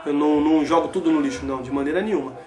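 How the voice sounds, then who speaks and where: Brazilian male commentator, high-pitched, passionate and exclamatory; echoey room, faint music. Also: racing. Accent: Brazilian Portuguese. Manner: exclaims, asks rhetorical questions, addresses listeners as brother. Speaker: religious commentator. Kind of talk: impassioned religious commentary.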